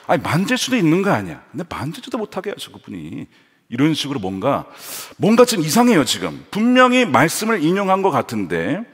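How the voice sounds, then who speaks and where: A man's voice: a little high, a little fast, breathy edge, in a large hall. A male pastor preaching a sermon, shifting between a plain teaching voice and dramatized quotes. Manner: lively, voices the tempter and quotes in dramatic tones. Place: church sanctuary.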